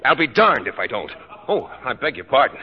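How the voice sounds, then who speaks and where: Prim, hesitant biology teacher played by a man; lively pitch; dull lo-fi vintage broadcast. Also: a little fast, very noisy, close to an everyday voice. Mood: fretful. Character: timid, fussy middle-aged male biology teacher. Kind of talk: 1940s radio comedy acting. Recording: muffled old radio broadcast.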